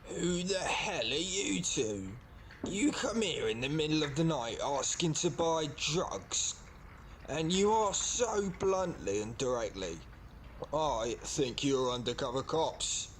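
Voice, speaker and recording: A man's voice: on the high side, lively intonation, slow pace, rough recording. A man playing a suspicious, threatening drug dealer in an amateur audio drama. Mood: menacing. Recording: loud background noise, clicks.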